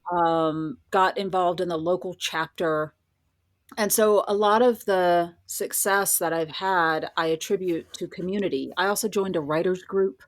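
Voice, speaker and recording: A woman's voice: fairly low pitch, fairly even intonation, measured pace, no echo. A woman answering as an interview guest, talking conversationally about her work as a writer with emphatic asides. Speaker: guest, horror fiction writer.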